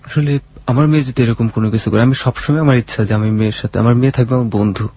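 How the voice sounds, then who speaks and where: A man with a Bangladeshi accent answering personal questions as a guest, in a plain, sincere, halting way. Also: mid-range voice, fairly even intonation, dark tone, slightly rough. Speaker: guest telling his life story. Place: radio studio.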